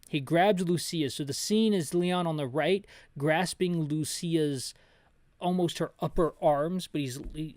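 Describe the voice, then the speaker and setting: A man's voice: on the high side, darkish tone, dry recording. A man giving casual, rambling descriptive commentary on a video game, with jokey asides. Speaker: video game playthrough narrator.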